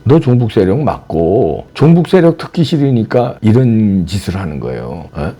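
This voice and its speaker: A man's voice: mid-range voice, dark tone. A man hosting a solo political commentary, combative and mocking, firing off rhetorical questions. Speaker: political commentary channel host.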